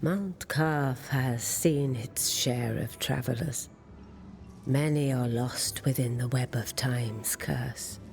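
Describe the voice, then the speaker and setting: A woman voicing an ancient, cryptic merchant in a video game, with a breathy, creaky voice and a measured, ominous delivery. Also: very deep voice, darkish tone, faint music behind, heavily acted. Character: ancient, cryptic mystical merchant warning travelers. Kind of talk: video game character acting.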